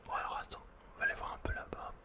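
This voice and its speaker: A man speaks entirely in a soft, breathy whisper. He hosts an ASMR gaming session, murmuring casual running reactions and slangy asides as he plays. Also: racing. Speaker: ASMR gaming video host. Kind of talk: whispered ASMR game commentary.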